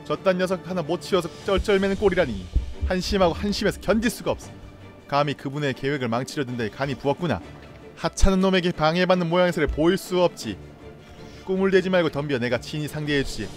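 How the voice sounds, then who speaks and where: Man doing a haughty villain god, sneering, contemptuous, a bit lower, game, faint music. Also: fast, close to an everyday voice. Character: arrogant villain claiming to be a god.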